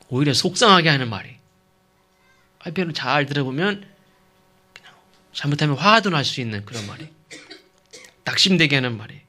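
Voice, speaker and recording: This pastor's voice sits on the high side, pushed and bright. He preaches emphatically, leaning on rhetorical questions and pausing to check in with his listeners.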